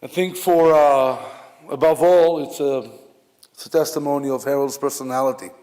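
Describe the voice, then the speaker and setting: A man from Israel with an Israeli accent, giving a memorial eulogy in a halting, reflective way with many fillers and restarts. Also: mid-range voice, steady tone, darkish tone. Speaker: officiant at a memorial service. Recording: long hall reverb.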